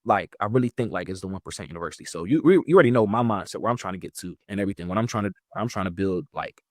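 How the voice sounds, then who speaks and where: A man in his twenties, talking in a rambling, casual way, leaning on "like" with lively jumps in pitch. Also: rapid-fire, no echo, clean studio sound. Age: 20s. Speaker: guest. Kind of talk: casual interview chat.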